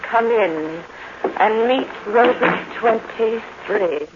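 An actress playing a jealous, unstable wife in a melodramatic 1950s radio thriller. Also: female voice, a little high, very slow. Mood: brooding, accusing. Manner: melodramatic, brooding. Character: jealous, unstable wife obsessed with her husband. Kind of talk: 1950s radio drama acting. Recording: muffled, noisy old radio recording.

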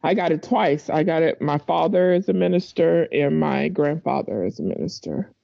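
Raspy low-voiced woman with a cold. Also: lively intonation, normal speed, mellow, no room sound. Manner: laughs often, affirms with mm-hmm. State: coming down with a cold. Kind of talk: casual chat. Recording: dull lo-fi sound.

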